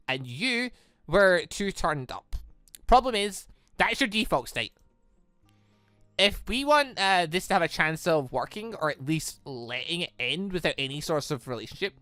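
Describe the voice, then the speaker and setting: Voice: mid-range voice, bright, forceful tone, no room sound. A gaming YouTuber reading out the part of a guarded, bossy young woman in a visual novel who speaks bluntly, with music behind.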